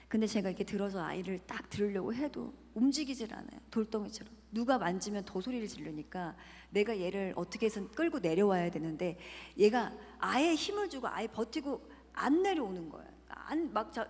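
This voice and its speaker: A woman's voice: medium pitch, darkish tone. A woman, a church deaconess, giving an emotional personal testimony in a large church hall, earnest and often sinking to a near whisper. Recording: long church-hall reverb.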